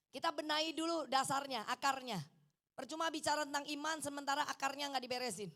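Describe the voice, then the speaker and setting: A middle-aged woman evangelist with an East Javanese accent, preaching a lively sermon and urging the congregation to say amen. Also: on the high side. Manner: animated, mixes in Javanese, coaxes the congregation to say amen. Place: church hall.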